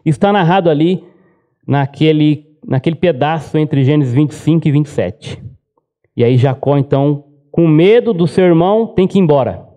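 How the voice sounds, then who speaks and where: A male pastor preaches in a casual storytelling way, with a high-pitched voice. His tone is soft and mellow rather than sharp, and he keeps checking in with the congregation through quick tag questions. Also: animated. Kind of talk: sermon.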